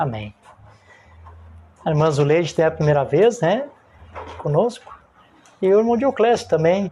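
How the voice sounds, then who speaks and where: The intonation is lively, at a moderate pace. The tone is dark and mellow. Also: man. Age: 40s. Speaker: pastor. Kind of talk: sermon.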